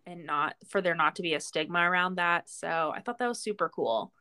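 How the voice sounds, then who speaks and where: A woman's voice: on the low side, brisk, pushed and bright. A middle-aged woman chats as co-host of a reality TV recap podcast. Her delivery is informal and giggly, like talk between friends. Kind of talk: casual reality TV recap chat.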